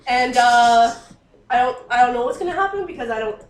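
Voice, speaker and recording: A woman playing a tabletop game, talking casually and somewhat haltingly. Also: on the high side, expressive, distant mic. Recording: echoey room, off-mic, faint music. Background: faint music.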